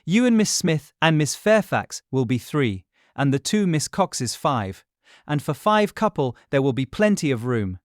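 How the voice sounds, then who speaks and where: An eager young gentleman, gallant and flattering, always persuading. His voice sits fairly high and moves with lively inflection, recorded dry and close for a full-cast period audiobook. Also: measured pace, no room sound. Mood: eager planning.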